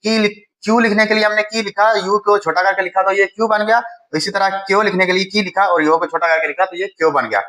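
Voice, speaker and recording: A man's voice: high-pitched, fairly even intonation, quick pace, sharp tone, low-quality recording. A man with a Pakistani Urdu accent, teaching a Japanese writing lesson at a whiteboard, patient and step by step.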